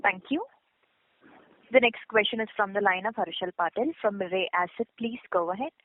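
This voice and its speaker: A woman's voice: medium pitch, moderate pace. A woman moderating a conference call as operator, in a formal, scripted style. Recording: muffled narrowband telephone line.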